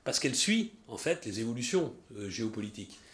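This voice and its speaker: A man's voice: mid-range voice, sing-song, a little fast, fairly bright tone. A man hosts a conference and introduces the evening's speaker. His voice sits mid-range. He speaks formally but hesitates now and then. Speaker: conference host.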